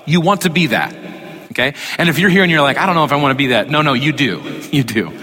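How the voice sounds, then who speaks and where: A man's voice: fairly high pitch, quick pace, pushed and bright. A man preaching a sermon as a pastor, talking in a loose, joking, conversational way straight to the congregation. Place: church sanctuary. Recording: long reverb of a church hall.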